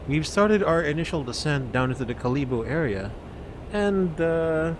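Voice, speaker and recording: A man speaking as a pilot on a cockpit headset mic, making radio calls and a relaxed airline cabin announcement with frequent fillers. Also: on the high side. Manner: relaxed, chatty, pausing with fillers. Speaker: virtual airline pilot on a flight simulator. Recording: steady loud background noise.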